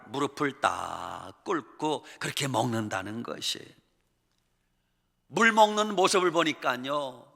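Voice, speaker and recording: Man preaching in church, emphatic, bit high voice, long echo off the hall. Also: bright, forceful tone. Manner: emphatic preaching, acts out quotes and animals. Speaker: pastor. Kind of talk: sermon. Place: church sanctuary.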